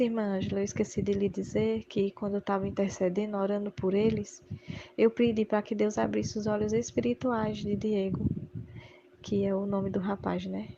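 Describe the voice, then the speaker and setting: A woman's voice: medium pitch, mellow, a little hiss or hum. A middle-aged woman giving a religious testimony, retelling events in a repetitive, emphatic way. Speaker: church member giving testimony. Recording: dull lo-fi recording.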